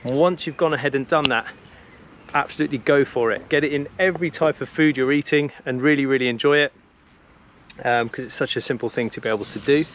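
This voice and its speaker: A man's voice: mid-range voice, fairly quick, fairly bright tone, slight background noise. A man in his thirties giving an upbeat, practical outdoor how-to lesson as a bushcraft instructor, speaking on an action camera in the woods and a cabin. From England. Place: woodland camp and wooden cabin.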